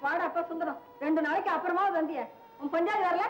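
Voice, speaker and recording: An actress playing an old village woman in an old film, talking fast in a shrill, scolding way. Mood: fretful. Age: older. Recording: echoey old film soundtrack with music.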